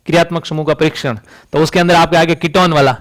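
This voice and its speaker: Higher-pitched male chemistry teacher. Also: steady tone, quick pace, a bit bright. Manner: rhetorical questions, frequent "समझ रही बात?". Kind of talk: classroom lecture.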